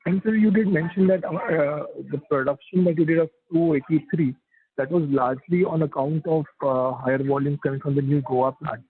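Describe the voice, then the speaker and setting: A man's voice: on the high side, steady tone, a little fast. A man with an Indian accent, an analyst asking polite, hesitant questions on an earnings call by phone. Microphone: telephone. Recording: thin phone-line audio.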